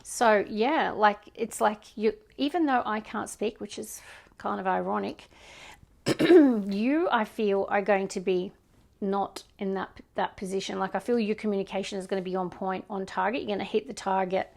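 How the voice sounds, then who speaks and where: A Scottish woman giving a chatty, reassuring tarot reading into a microphone. She is hoarse and losing her voice, and often stops to clear her throat. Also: medium pitch, moderate pace, a little mellow. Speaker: tarot reader. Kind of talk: casual tarot reading to camera.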